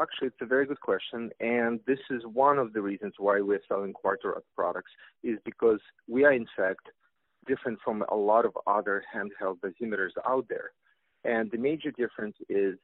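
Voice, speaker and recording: A man's voice: fairly low pitch, no echo. A man with a Russian accent answering interview questions about his company's products, hesitant, with many fillers and restarts. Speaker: company representative guest. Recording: tinny phone line, dry.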